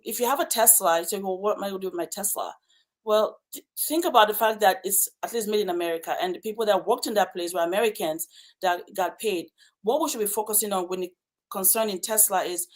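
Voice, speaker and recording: Measured woman weighing her words. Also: mid-range voice. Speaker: panelist. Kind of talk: casual panel discussion.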